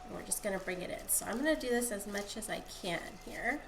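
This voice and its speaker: A woman's voice: mid-range voice, animated, quick pace, gravelly. A woman with a congested, nasal voice from a cold, chatting her way through a casual live-stream dyeing tutorial at home. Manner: chatty, rambling explanations. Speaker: craft streamer. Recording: echoey room, faint background hiss.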